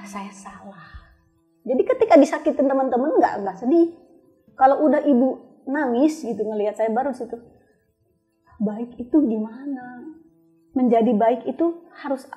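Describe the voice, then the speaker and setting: A woman with a high-sitting, dark-toned voice is a guest in an interview, recounting her life story. She speaks thoughtfully and searchingly, restarting herself in small ways as she goes.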